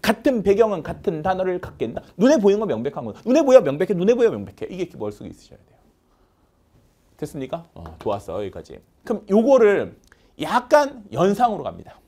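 A male English teacher lectures with a fairly high voice that leaps and drops all over the place. He chants word lists in rhythm and slips into playful skits to make the words stick. It sounds like a recorded lecture in a studio. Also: huge pitch swings, fast talker, warm tone, breathy edge. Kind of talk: lively lecture.

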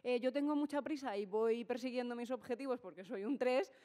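A Spanish woman in her thirties explains personality types at a studio mic on a stage. Her voice sits slightly high and she keeps tagging thoughts with "¿no?". The room rings with a long reverberant tail. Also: a little fast. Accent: Spanish from Spain. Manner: animated, gestures while explaining, many fillers like "¿no?". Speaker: enneagram teacher, guest. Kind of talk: explanatory interview talk. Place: event stage with hall. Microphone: studio mic on stand. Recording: reverberant hall.

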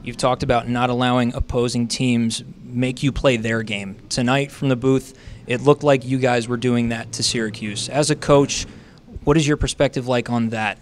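Young man, middle-pitched sideline reporter with prepared questions, light background hum. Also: fairly even intonation, normal speed. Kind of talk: postgame interview questions. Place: indoor interview backdrop. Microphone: handheld mic.

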